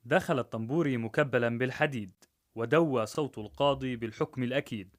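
A man narrating a rhymed story in a measured, rhythmic way. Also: medium pitch.

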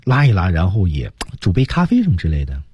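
A man's voice: sits low, wildly swooping pitch, fast talker, breathy edge, lo-fi sound. A man teaching English pronunciation on a radio lesson, modelling phrases and chatting with his co-host.

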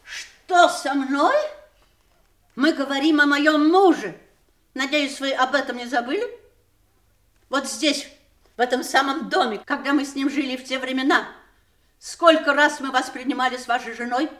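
A woman's voice: high voice, normal speed, long pauses, fairly bright tone. An actress in a Soviet audio drama playing a proud, bitter wife of a dying man, pointed and coldly ironic. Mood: bitter reproach.

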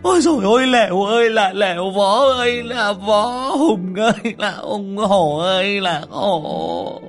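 Terrified wailing village wife, very high and shrill, sobbing. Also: male voice, lively intonation, a little slow, soft background music.

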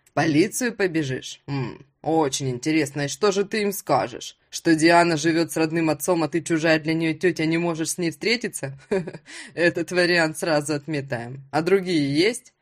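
A woman's voice: low voice, moderate pace, pitched below the performer's own voice. Woman putting on a smug tipsy father. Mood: mocking. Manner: mocking, drawling.

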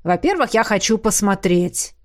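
A woman voicing a greedy old emperor with a creaky voice. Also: medium pitch, animated, normal speed, close to an everyday voice. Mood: gloating.

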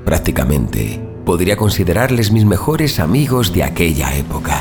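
A man's voice: deep voice, big pitch swings, moderate pace, music in the background. A man playing a gleefully sadistic undead killer who narrates his murders with theatrical, sardonic menace in a horror audio drama. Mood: gloating, nostalgic.

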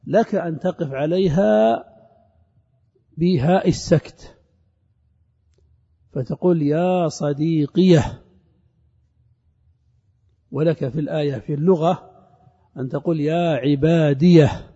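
A man giving a classroom grammar lesson. He asks questions and answers them himself, and he repeats each example slowly. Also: a little high, mellow, husky. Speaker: grammar teacher. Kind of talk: classroom lecture on Arabic grammar. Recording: dull lo-fi recording with long hall reverb.

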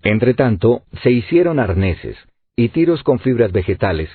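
A man narrating an audiobook in an expressive, lively reading, with narrow phone-like sound. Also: mid-range voice, moderate pace, breathy edge, no room sound. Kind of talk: scripted narration.

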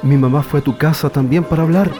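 A man's voice: a little high, fast talker, close to an everyday voice. An earnest young man, played by a man, talks hesitantly and stumbles over fillers, though he stays hopeful. Music runs under this community radio play. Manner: hesitant, with many stammered fillers. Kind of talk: radio drama acting.

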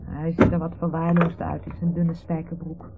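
An actress playing a caring, mildly fussing wife of a businessman in a radio play, gentle and concerned. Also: low voice, little pitch movement, moderate pace, creaky. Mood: concerned, admiring. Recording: muffled, noisy old radio play recording.

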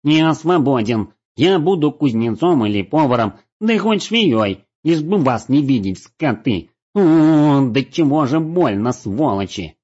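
A man's voice: mid-range voice, big pitch swings, unhurried, few pauses, a little mellow, voice pushed up. A man voicing a shrieking, manic male game creature who laughs wildly and curses. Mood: ranting. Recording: dull lo-fi recording.

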